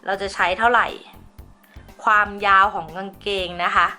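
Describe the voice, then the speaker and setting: A young woman hosting a sewing tutorial, explaining each step patiently in a chatty way, her voice a little hoarse. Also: mid-range voice, fairly even intonation, normal speed, bright, forceful tone, faint music behind. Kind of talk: step-by-step craft instruction.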